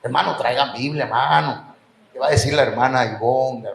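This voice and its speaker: A pastor with a Mexican Spanish accent preaches a sermon in an echoey church hall, building rising emphasis and slipping in the odd joke. His voice is mid-range and gravelly, at normal speed.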